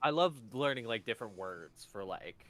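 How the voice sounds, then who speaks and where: A man's voice: medium pitch, lively intonation, normal speed, fairly bright tone. Laid-back young guy in casual chat. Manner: laid-back, profane, joking. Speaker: podcast co-host. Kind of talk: casual chat, reading quiz statements aloud.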